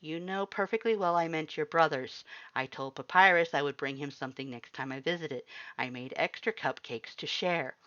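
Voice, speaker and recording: A woman's voice: sits low, normal speed, hardly any pauses, a bit bright, lo-fi sound. A woman voicing a friendly, teasing, generous human houseguest in a story, in a plain, earnest conversational way. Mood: scolding.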